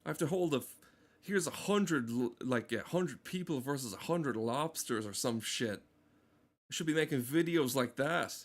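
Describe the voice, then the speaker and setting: A man's voice: mid-range voice, animated, normal speed. A man rambling casually as a game streamer, swearing often and ranting in a mock-earnest way. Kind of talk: casual rambling livestream commentary.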